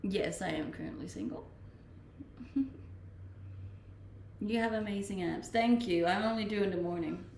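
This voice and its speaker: A young woman from Denmark, a native Danish speaker, chats casually on a live stream, reading questions aloud and answering them. Her voice has a gravelly edge. She sits a little back from the mic in a roomy space with faint background noise. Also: medium pitch, normal speed, pauses often, far from the mic. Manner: relaxed, reads questions aloud then answers. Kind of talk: casual chat.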